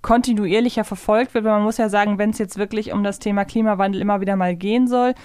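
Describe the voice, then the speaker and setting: A woman co-hosts a podcast in casual chat. Her medium-pitched voice is recorded dry, with no room sound. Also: fairly even intonation, fast, darkish tone, clear, resonant tone, no room sound. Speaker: podcast co-host. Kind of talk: casual fan discussion podcast.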